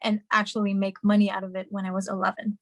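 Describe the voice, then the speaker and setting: A woman's voice: medium pitch, level tone, fast, no echo. Chatty Hungarian-born woman musician. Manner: chatty, many fillers and restarts. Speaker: singer and musician guest. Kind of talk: casual interview answers.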